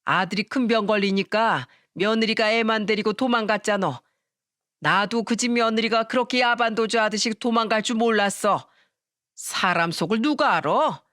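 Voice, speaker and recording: A shrill, accusing mother-in-law of later years barks her suspicions in a raised, sharper voice, as a woman reader puts her on. The sound is close and dry, with no room around it. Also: moderate pace, fairly bright tone, no room sound, natural voice. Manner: scolding, accusing.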